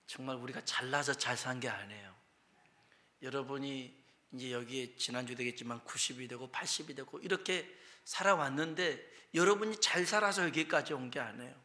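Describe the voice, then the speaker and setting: A male pastor telling a story in a Sunday sermon, moving from hushed whispers to loud emphasis, with chatty asides. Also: medium pitch. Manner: conversational with asides and self-corrections.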